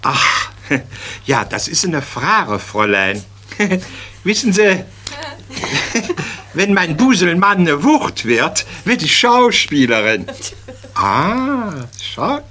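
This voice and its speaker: A man's voice: fairly high pitch, sing-song, drawn-out words, pushed and bright, heavily acted. A man voicing a coy schoolgirl who giggles between her words.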